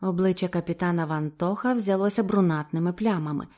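A woman narrating a literary novel in an even, measured way. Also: lowish voice. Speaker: audiobook reader.

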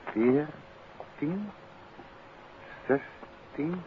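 A man's voice: fairly high pitch, expressive, drawn-out words. An actor playing a composed, inquisitive male detective, courteous and protective, in a 1950s radio drama. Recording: narrow, noisy 1950s radio recording.

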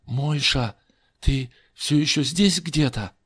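A man's voice: high voice, expressive, measured pace, dry recording, studio quality, voice pushed up. A man voicing a startled, timid woman asking questions in a storybook reading. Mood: questioning.

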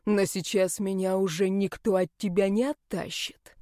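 A woman voicing a furious, menacing werewolf man in an audiobook, speaking slowly and loudly with threats. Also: medium pitch, fairly even intonation, dry recording, studio quality, natural voice. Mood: enraged. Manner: slow, loud, threatening. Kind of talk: audiobook character voice.

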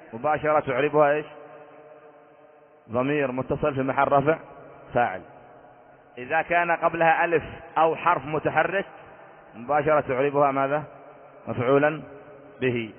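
Male grammar teacher, raised pitch, quizzing and repeating rules, phone-thin sound, long hall echo. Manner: quizzing students with questions, repeating each rule. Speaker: sheikh teaching Arabic grammar. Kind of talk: classroom grammar lesson. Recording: tinny phone-like audio in a long-reverb hall.

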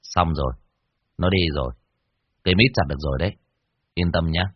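A man voicing a calm, stern young exorcist who speaks with quiet command. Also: low-pitched, brisk, dry recording, highs cut off. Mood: reassuring.

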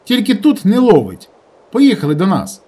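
A man reading aloud, voicing a rough, restless young village guy who talks bluntly in crude slang. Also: sits high, wildly swooping pitch, moderate pace, mellow, voice pushed up, full character voice. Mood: brusque.

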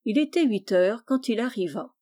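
A woman reads a classic storybook aloud in steady, measured narration. Her voice is mellow and warm, and sits a little high for a woman. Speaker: audiobook reader. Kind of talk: scripted narration.

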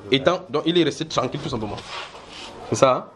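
A man's voice: medium pitch, animated, fast talker, noisy background. A man preaching a Bible teaching at a house church, asking his listeners questions and repeating their answers.

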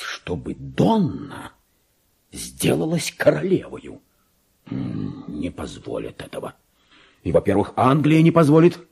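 An actor playing a deluded, pompous petty government clerk slipping into madness, in a theatrical radio monologue that moves between hushed musing and shrill indignation. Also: male voice, exaggerated voice. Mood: brooding, troubled. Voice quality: husky, creaky. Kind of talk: theatrical radio monologue, diary read aloud.

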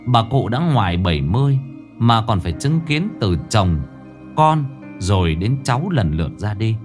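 Lively low-voiced man telling a ghost story. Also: moderate pace, soft background music.

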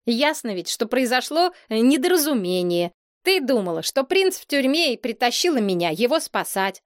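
A woman reading an audiobook, voicing a sensible boy who calmly reasons with the others. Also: a little high, normal speed, no echo, studio quality. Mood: reasoning. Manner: reasoning, matter-of-fact. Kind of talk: audiobook character voice.

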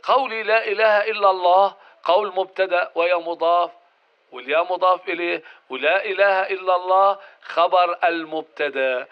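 A man's voice: sits high, brisk, smooth. A male grammar teacher who explains step by step, putting questions to the class and answering them himself. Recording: dull lo-fi recording.

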